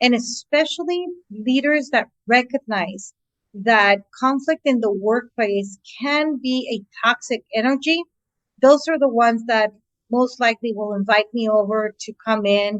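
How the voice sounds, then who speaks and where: Recorded with a dry, close sound and no echo, a woman speaks at a fairly high pitch with ordinary pitch variation. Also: fairly slow pace. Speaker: conflict management consultant and professor. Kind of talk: interview. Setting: podcast.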